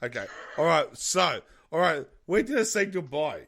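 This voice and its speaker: A man's voice: on the high side, very animated, moderate pace, vocal fry, a bit bright. An Australian man co-hosting a podcast, rambling, laughing and swearing through casual banter. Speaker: podcast co-host.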